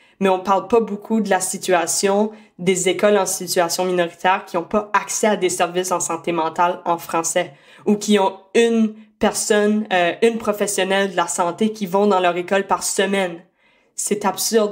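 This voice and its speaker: This woman, speaking in an Acadian accent, has a medium pitch and a monotone, flat intonation. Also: moderate pace. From New Brunswick, Canada. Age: 20s. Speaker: francophone youth activist. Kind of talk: interview answer.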